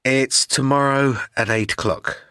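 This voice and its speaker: A man playing a polite, measured receptionist in a slow scripted lesson dialogue. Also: medium pitch, pushed and bright, smooth, no room sound, studio quality.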